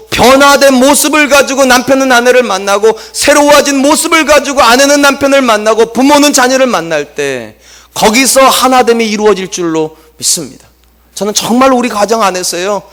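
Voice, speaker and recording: A middle-aged man preaching a Sunday sermon as pastor, lively and humorous, acting out quotes from the people he speaks about. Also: extremely high pitch. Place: church sanctuary.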